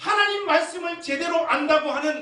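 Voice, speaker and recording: A man speaks in a raised, projected voice at a fairly slow pace. Audible room echo is present. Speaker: pastor. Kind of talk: sermon. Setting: church.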